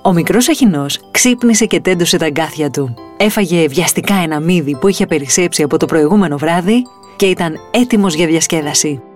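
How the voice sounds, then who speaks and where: A woman reading a children's picture book aloud in an expressive, lilting storytelling voice. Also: lowish voice, faint music behind.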